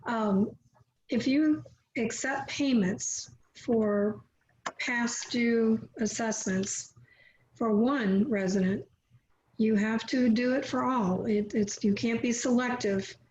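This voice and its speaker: A woman's voice: on the high side, slow pace, darkish tone, echoey room, dull audio, a little hiss or hum. A woman interjecting on a webinar panel, her voice strained as she loses it, with some hesitant fillers. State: losing her voice. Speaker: panelist adding a point.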